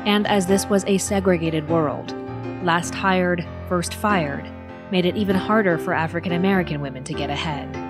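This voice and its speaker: A woman reading scripted documentary narration in a measured, even way. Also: on the low side. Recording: narration over music.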